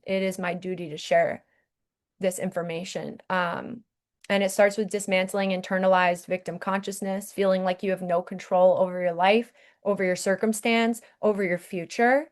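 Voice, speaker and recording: A woman's voice: medium pitch, a little mellow. A woman hosts a spiritual podcast in an impassioned, earnest voice. She urges her listeners on and keeps checking in with them. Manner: earnest, urging, repeats "okay?". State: briefly emotional.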